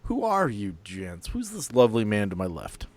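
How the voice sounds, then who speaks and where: A man's voice: lowish voice, huge pitch swings, normal speed. A man hosting a tabletop game podcast as game master, chatting casually with playful, teasing banter.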